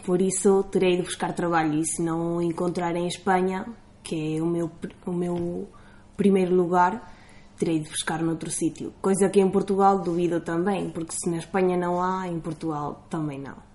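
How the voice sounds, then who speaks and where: A woman with a fairly low pitch and a dark, mellow tone talks at a moderate pace in a monotone, flat intonation. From Spain, Basque Country (Vitoria). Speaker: language school student. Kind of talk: interview. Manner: halting.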